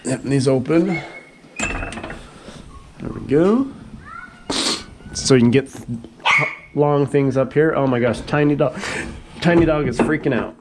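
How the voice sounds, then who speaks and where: A man giving a casual home tour, rambling and correcting himself, often clearing his throat. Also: on the high side, slow, pauses often, background noise. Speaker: homeowner giving a house tour. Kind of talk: casual handheld tour narration.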